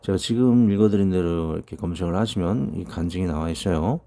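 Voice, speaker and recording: Pastor in his fifties, low and gravelly, talks through his sermon casually. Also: brisk, warm tone. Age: 50s. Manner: conversational, thinking aloud with many fillers. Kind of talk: sermon reading and commenting on prophecies.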